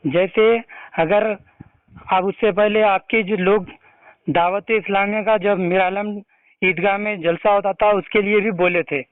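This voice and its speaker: On a confrontational phone call, an activist from India with a Hyderabadi accent interrogates a religious leader, accusing him, pushing his questions hard and frequently interrupting. His high voice stays steady and unhurried, clean-toned with no echo, though the phone line is tinny and narrow-band.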